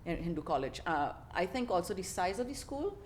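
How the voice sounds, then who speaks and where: Low-voiced Trinidadian woman, chatty. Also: big pitch swings, fairly quick, slight background noise. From Trinidad and Tobago. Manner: chatty, laughs often, many fillers and restarts. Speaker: podcast guest. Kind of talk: casual interview storytelling.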